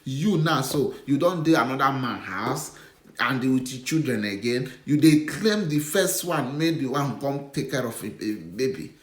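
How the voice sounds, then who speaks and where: A Nigerian man talks in a mid-range voice, scornful and lecturing as he mocks the person he is addressing. The recording is roomy, with a clear echo around him. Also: mid-range voice, expressive, measured pace. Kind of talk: scolding video response.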